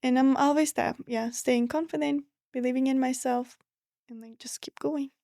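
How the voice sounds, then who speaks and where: A teenage girl from Afghanistan answering interview questions sincerely, pausing with fillers. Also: sits high, gravelly, no room sound, clean studio sound. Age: teens. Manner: steady and sincere, with hesitant fillers. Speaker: guest.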